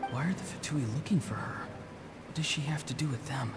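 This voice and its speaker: An actor playing an earnest, slightly odd young loner who gardens, in a video game, speaking plainly and matter-of-factly. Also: male voice, a little high, brisk, natural voice. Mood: guarded, puzzled. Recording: music behind the voice.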